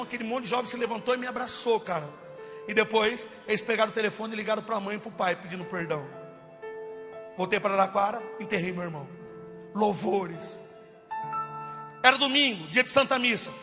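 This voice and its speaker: Guy preaching his testimony, really high bright voice, big echoey hall w soft music behind. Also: fast talker. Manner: impassioned, swings from loud cries to hushed. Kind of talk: testimony sermon.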